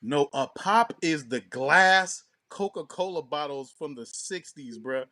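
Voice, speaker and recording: A man's voice: on the high side, animated, a little slow, sharp tone. A man co-hosting a podcast in casual, profane, slang-heavy talk, often acting out what people said. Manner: slangy and profane, acts out quotes. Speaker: podcast co-host. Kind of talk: casual chat.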